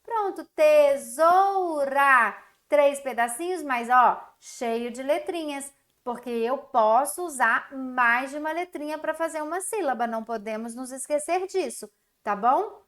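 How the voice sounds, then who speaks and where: Speaking at a moderate pace in a high-pitched voice, a Brazilian woman leads a recorded class for young children. As a primary school teacher with a Brazilian Portuguese accent, she encourages them in a sing-song way, drawing out syllables.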